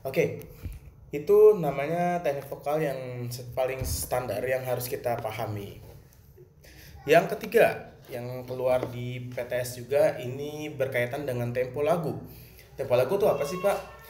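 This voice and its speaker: This recorded student lesson features a man with a Jakarta Indonesian accent talking through music in plain terms, raising his own questions and then answering them. His medium-pitched voice is a little slow and mellow. Slight background noise sits under a roomy recording with faint ambience.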